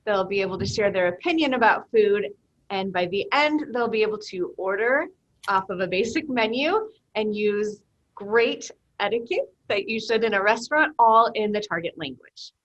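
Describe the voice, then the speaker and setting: A woman's voice: mid-range voice, animated, normal speed, fairly bright tone, lo-fi sound. A woman from the Midwest who teaches language, walking parents through the seventh grade year in an organized way. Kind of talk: back-to-school night presentation.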